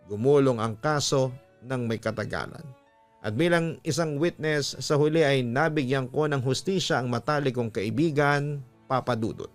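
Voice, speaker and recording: A man's voice: medium pitch, normal speed. A man hosting a story program, reading scripted narration in an earnest, sentimental way. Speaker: radio story host and narrator. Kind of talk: scripted narration of a listener's letter and heartfelt advice. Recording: music bed behind the voice. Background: background music.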